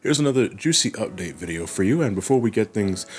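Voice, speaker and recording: Congested man with a low voice. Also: animated, fast. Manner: loose, profane, stumbles over restarts. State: congested with a cold. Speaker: video channel host. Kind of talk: casual update chat to viewers. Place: at home, indoors.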